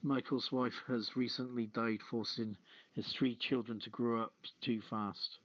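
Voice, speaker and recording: A man hosts a casual live show at a slow, halting pace with a jokey streak. He sits close to the mic in a very dry space. The audio is slightly dull and lo-fi. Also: mid-range voice, steady tone, dry recording. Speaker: radio show host. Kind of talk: casual live show chat and news reading.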